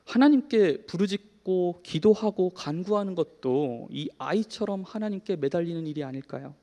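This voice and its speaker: A man in his thirties preaching a sermon in a church, telling a personal story in an earnest way, shifting from soft to emphatic. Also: high-pitched, animated, normal speed. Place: church hall. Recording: long hall reverb.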